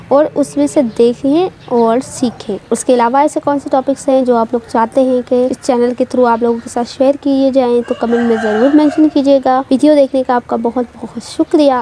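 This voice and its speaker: A woman's voice: high voice, mellow, slight background noise. A woman teaching English pronunciation, repeating each word carefully for emphasis. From Pakistan. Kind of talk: slow careful pronunciation lesson.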